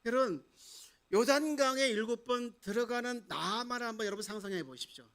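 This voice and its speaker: A man's voice: very high voice, brisk, a bit bright. A male pastor preaching a sermon, asking the congregation questions and dramatizing the story.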